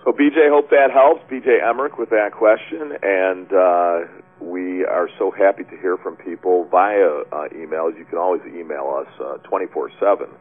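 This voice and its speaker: Husky man hosting a call-in webcast. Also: low voice, fairly even intonation, normal speed. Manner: chatty, warm, with many fillers. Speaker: webcast host. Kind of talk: casual call-in talk. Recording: tinny phone-line sound.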